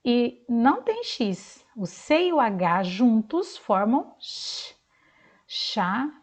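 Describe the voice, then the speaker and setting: A Brazilian woman teacher gives a recorded lesson to young children at an unhurried pace. Her fairly high voice rises and falls a great deal as she sounds out words slowly and claps out their syllables. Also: sing-song. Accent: Brazilian Portuguese. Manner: slow, sing-song teacher talk, clapping out syllables.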